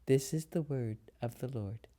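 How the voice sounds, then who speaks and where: A woman reads scripture solemnly as a lay reader. Her voice is low and soft-edged, and she takes the text very slowly, phrase by measured phrase.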